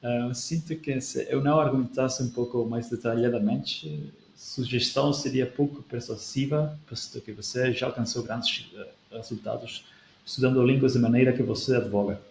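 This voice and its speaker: A man's voice: mid-range voice, steady tone, normal speed, gravelly, darkish tone. A man hosting a language-learning video, talking through a viewer comment in casual talk and thinking aloud with restarts. He speaks Portuguese with a non-native accent that leans European. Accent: non-native speaker of Portuguese, European Portuguese leaning. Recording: echoey room with faint background noise.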